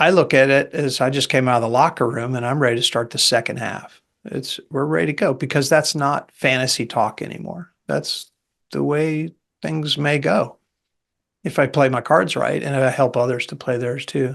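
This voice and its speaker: At a moderate pace, a man speaks with vocal fry. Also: medium pitch for a man, ordinary pitch variation, quiet background. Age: 60s. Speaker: leadership coach. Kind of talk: interview. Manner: halting.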